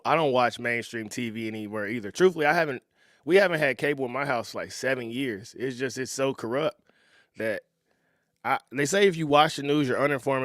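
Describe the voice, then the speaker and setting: A man in his thirties hosting a reaction video, talking in a relaxed, conversational way and often chuckling. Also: mid-range voice, dry recording, studio quality. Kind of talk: casual reaction commentary.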